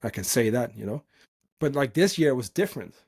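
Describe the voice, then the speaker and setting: A man from the Netherlands whose first language is Dutch speaks at a medium pitch. He talks off the cuff like a podcasting coach, informal and earnest. He leans on his points with emphasis, in a motivational solo style. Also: expressive, brisk, creaky, darkish tone, slightly rough.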